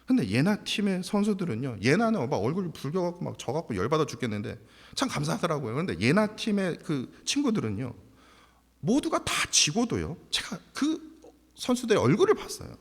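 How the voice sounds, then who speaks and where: A man's voice: fairly high pitch, very animated, fairly quick. A pastor, a man, preaching a sermon and telling a story animatedly, laughing now and then. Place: church sanctuary. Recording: long church hall reverb.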